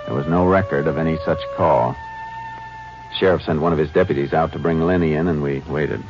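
Deep-voiced laconic Texas Ranger. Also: male voice, fairly even intonation, highs cut off. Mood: businesslike. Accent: American. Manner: terse, measured questioning. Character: calm, laconic Texas Ranger investigator and narrator. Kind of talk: 1950s radio drama acting and narration. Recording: band-limited vintage radio recording with music.

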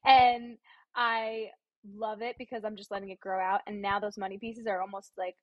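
A woman's voice: medium pitch, little pitch movement, normal speed, no room sound, dull audio. A young woman in her twenties, a singer guesting on a podcast, chatting in a bubbly, giggly way. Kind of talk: casual chat.

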